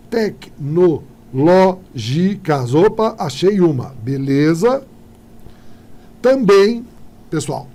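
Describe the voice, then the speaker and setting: A Brazilian man teaching Portuguese in an exam-prep video lesson, talking straight to his viewers and checking in with quick tag questions. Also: high voice, dark tone.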